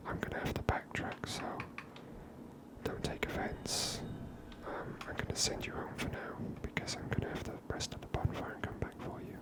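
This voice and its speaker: Whispering ASMR gamer thinking aloud. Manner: hushed, unhurried thinking aloud. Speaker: gaming ASMR host. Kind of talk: whispered ASMR game commentary.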